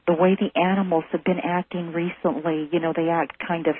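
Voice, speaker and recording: A chatty, curious woman caller on a tinny phone line with faint hiss behind her. Her voice sits fairly low for a woman, and she keeps filling gaps with ums as she asks question after question. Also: flat delivery, fairly quick. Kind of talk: call-in chat.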